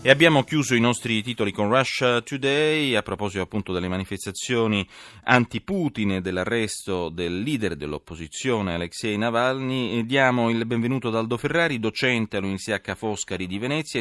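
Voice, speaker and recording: A man with a fairly low voice hosts a radio news interview. His phrasing is wordy and halting, with emphatic stresses. The sound is dry, as in a studio. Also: fairly bright tone, no room sound. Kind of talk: live morning news interview.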